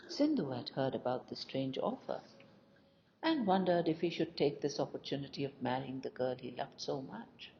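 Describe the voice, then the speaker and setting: Woman telling an audio folk story, very lively intonation, dull recording w faint noise. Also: low voice. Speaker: storyteller reading a folk tale. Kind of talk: scripted audio story narration.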